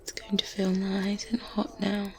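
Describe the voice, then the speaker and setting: A woman playing a good witch in an ASMR roleplay, strict but kindly and gently teasing, in a breathy, soft whisper close to the microphone. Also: mid-range voice, monotone, natural voice. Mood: soothing, assured. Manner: slow, gentle, with murmured hums and soft chuckles. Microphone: close binaural microphone. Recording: close binaural mic with ambient background noise. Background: medieval ambience sounds.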